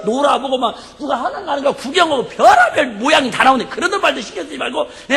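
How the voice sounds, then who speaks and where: A male pastor preaching a sermon and joking in call-and-response with his congregation, sometimes breaking into shouts. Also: extremely high pitch, gravelly. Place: church sanctuary. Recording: echoey church hall.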